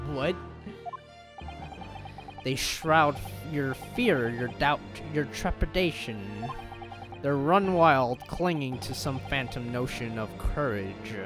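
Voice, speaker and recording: A man's put-on character voice at medium pitch, fairly slow, with clear music in the background. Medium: read story. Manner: slow, sinister.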